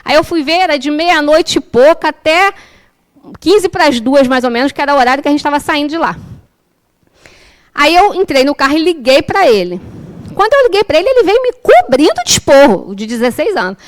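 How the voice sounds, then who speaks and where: A woman's voice: high voice, sing-song, a little fast. A woman with a Brazilian accent teaching a class, telling a personal story in a conversational way with frequent tag questions. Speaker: spiritist course teacher. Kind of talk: lecture with personal anecdote.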